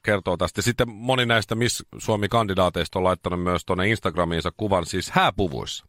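A man's voice: no room sound, clean studio sound. A man hosting a radio show, telling stories in casual chat. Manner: animated storytelling, jumps into high voices when quoting.

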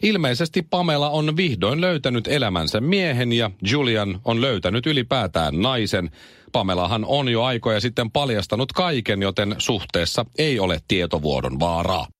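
A man in his thirties hosting a morning radio show. He reads the news and tells animated stories. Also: mid-range voice, dry recording, clean studio sound. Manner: animated storyteller.

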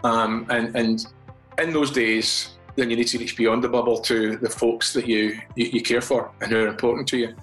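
A man's voice: mid-range voice, level tone, moderate pace, fairly bright tone, faint music behind, low-quality recording. An older Scottish man, a guest from a fathers' charity, chatting in a radio interview and often repeating words as he restarts his thoughts.

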